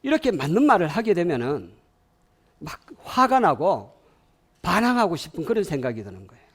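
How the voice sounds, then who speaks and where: A man with a Gyeongsang accent lectures parents with real animation. His fairly high voice moves up and down a lot. He keeps asking the audience questions and has them repeat lines after him. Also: sing-song, brisk, slightly rough.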